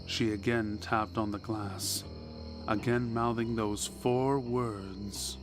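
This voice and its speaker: A man reading a scripted horror story in a measured, deliberate way, with dramatic pauses. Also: fairly low pitch, fairly even intonation. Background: background music.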